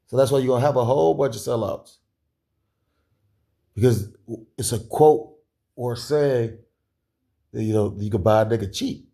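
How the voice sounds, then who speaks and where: A man in casual podcast talk, rambling with many fillers and restarts and chuckling often, with a deep voice. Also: moderate pace, vocal fry, pauses often, mellow. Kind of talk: casual conspiratorial chat.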